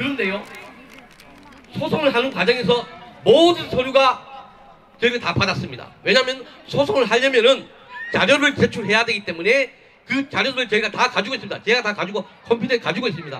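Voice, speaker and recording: A man's voice sits at an extremely high pitch and is raised and projected, with ordinary pitch variation. Long, frequent pauses break up his speech over noticeable background noise. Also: fairly quick pace. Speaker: protest committee organizer, former plant engineer. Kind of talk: protest rally speech. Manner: halting, with fillers.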